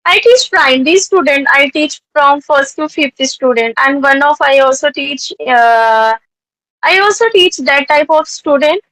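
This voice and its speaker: A woman's voice: high voice, measured pace, a bit bright, no room sound, poor audio. A woman with an Indian accent from North India, chatting in conversation practice, hesitant with frequent fillers. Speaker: tutor practicing English conversation.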